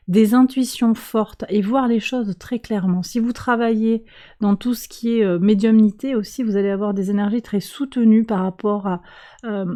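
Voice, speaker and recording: A woman hosting a weekly tarot and astrology reading, speaking calmly with many pauses and fillers while she has a cold. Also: on the high side. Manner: calm, slow, hesitant with many fillers. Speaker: tarot and astrology reader, channel host. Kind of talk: weekly card reading for viewers.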